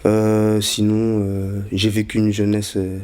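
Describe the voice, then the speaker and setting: A man's voice: lowish voice, completely flat delivery, slow pace, warm tone. A man in his twenties from Congo, raised in Brussels, telling his own story hesitantly with many fillers. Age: 20s. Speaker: interviewee. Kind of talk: personal testimony, unscripted.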